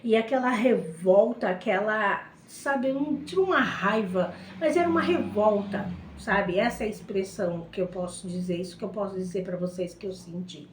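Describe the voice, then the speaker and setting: A woman's voice: mid-range voice, normal speed, hardly any pauses, roomy sound, a little hiss or hum, rough recording. A middle-aged woman with a Brazilian Portuguese accent, telling her faith testimony in an emotional, repetitive way and often turning to her listeners. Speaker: testimony speaker.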